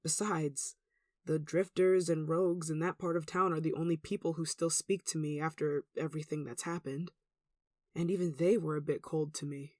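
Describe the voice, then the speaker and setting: A performer with a mid-pitched voice playing an anxious, devout, caring villager in an earnest, hesitant ASMR roleplay. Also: fairly even intonation, moderate pace, no room sound, studio quality, lightly acted. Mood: worried, caring. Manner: earnest, hesitant, soft sighing delivery. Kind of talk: ASMR roleplay audio drama.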